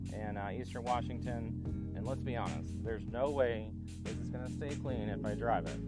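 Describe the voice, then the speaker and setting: Over clear music in the background, a man speaks at a moderate pace, the sound dry with no echo. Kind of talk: casual vlog chat. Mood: relaxed, easygoing. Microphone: handheld.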